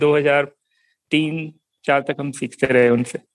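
The speaker is a man. His pitch is fairly high. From Delhi, India. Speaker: film critic. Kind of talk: interview. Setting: remote call with people around.

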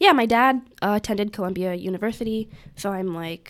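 With an American accent, a woman in an unremarkable speaking voice talks at a moderate pace and medium pitch on a very clean recording with a silent background. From New York, Westchester (Mount Vernon). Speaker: college student. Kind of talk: casual chat.

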